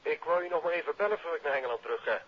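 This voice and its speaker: Uneasy bank clerk, very husky, grumbling and wordy, 1950s radio drama, muffled telephone filter. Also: male voice, on the high side, racing. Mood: aggrieved. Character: male bank employee, aggrieved, wordy, uneasy. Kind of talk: 1950s radio mystery serial acting. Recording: thin, narrow telephone-style old radio sound.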